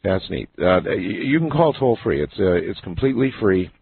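Smooth-voiced male radio host, lo-fi line. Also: sits low, animated, moderate pace, no room sound. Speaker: radio call-in show host. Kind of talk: late-night call-in radio talk. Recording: phone-like lo-fi broadcast with faint hiss.

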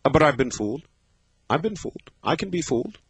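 A man of fifty hosting a late-night call-in radio show, talking in a thoughtful, measured way with many pauses and fillers. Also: fairly high pitch, very animated, fairly bright tone, slightly rough, dry recording. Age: 50s. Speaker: radio talk show host.

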